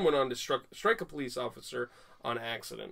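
An unremarkable speaking voice from a man, fairly high in pitch, fairly quick and with lively intonation. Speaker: podcast co-host. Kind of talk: casual chat.

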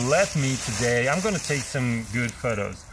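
A man speaks at a fairly slow pace over noticeable background noise. The sound is dry, with no echo. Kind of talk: tutorial. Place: forest.

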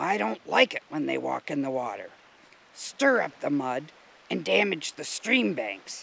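Using a put-on character voice with vocal fry and a fairly bright tone, the speaker moves at a fairly slow pace through big pitch swings. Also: man, fairly high pitch for a man.

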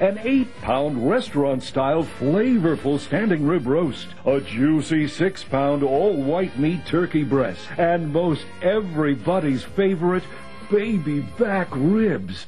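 With music in the background, a man talks at a very slow pace in a fairly high pitch, using lively intonation and very even loudness. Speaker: infomercial voice-over announcer. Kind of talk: TV commercial read.

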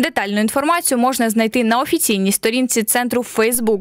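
In an unremarkable speaking voice, a woman talks at a fairly quick pace with a fairly high pitch and ordinary pitch variation. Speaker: TV news reporter. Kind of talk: scripted narration.

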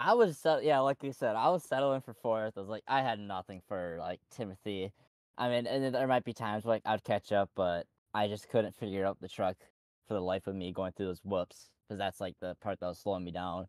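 A man with a plain, everyday voice and fairly low pitch speaks at a fairly quick pace with ordinary pitch variation, in a very clean recording with a silent background and a dry, close sound with no echo. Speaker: racing driver. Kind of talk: post-race interview. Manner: casual, conversational.

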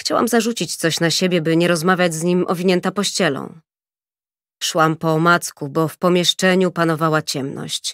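Over a quiet background, a woman with a fairly low pitch talks at a moderate pace with fairly even intonation, the sound dry with no echo. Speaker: audiobook narrator. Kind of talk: audiobook reading of a romance novel. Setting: studio. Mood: dramatic, tense storytelling. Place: booth. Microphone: studio mic.

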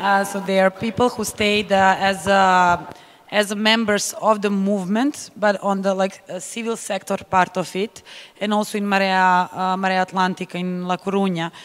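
A woman with a Serbian accent and monotone, flat intonation. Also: moderate pace. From Serbia, Belgrade. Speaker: architect and activist; guest. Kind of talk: panel discussion. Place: hall. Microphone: handheld.

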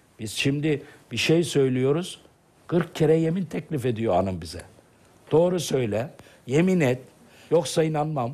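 A man with a fairly high pitch yet a dark, mellow tone speaks at a fairly slow pace with lively intonation and long, frequent pauses. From Turkey. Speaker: religious TV program host and preacher; religious TV program host, preacher. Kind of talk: religious talk show sermon. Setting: TV studio. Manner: animated. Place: studio. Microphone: lapel.

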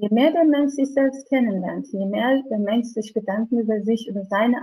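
Against a quiet background, a woman talks in a normal speaking voice at a moderate pace, her pitch fairly high with ordinary variation. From Turkey, Sivas; Turkey. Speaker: seminar speaker, charity founder; presenter. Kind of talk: lecture. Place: home room. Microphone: webcam.

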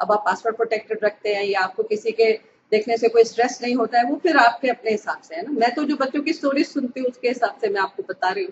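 High-pitched female speech at a moderate pace over light background noise. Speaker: teacher for accountancy students. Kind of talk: tutorial advice talk. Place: studio.

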